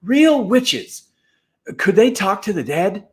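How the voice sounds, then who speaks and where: A man voicing an excitable, wonder-struck young boy who exclaims eagerly. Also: high-pitched, slow pace, pitched above the performer's own voice, heavily acted. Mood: thrilled.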